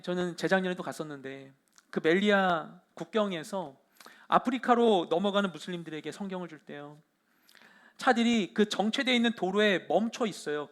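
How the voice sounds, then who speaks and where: A young adult male pastor preaching a sermon in storytelling style, with many fillers and animated retelling. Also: high voice. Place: church hall.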